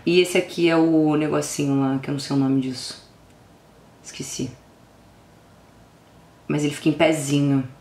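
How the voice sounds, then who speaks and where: A young woman with a Brazilian Portuguese accent and a slightly low voice gushes through an unboxing in a casual vlog. She talks in an exclamatory rush, sinks into hushed whispers and breaks into sudden squeals. The room sounds roomy, with a faint hiss of noise underneath. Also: fairly even intonation, moderate pace, pauses often. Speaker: vlogger. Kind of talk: album unboxing chat.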